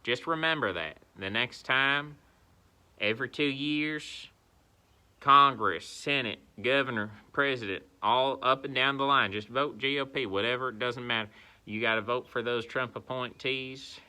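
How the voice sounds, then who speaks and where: A man's voice: medium pitch, measured pace, bright, forceful tone, clear, resonant tone. A man playing a rambling, fired-up older patriot who rants on a phone livestream outdoors, bombastic and self-interrupting. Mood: ranting. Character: rambling older male pro-Trump patriot, fired-up and muddled. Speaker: satirical livestream ranter. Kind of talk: comedic satire rant.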